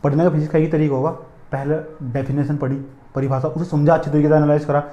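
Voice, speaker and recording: A man's voice: on the high side, little pitch movement, fast talker, dark tone, echoey room, muffled recording. A man teaching physics in a classroom lecture, repeating points and drilling his students with questions and answers.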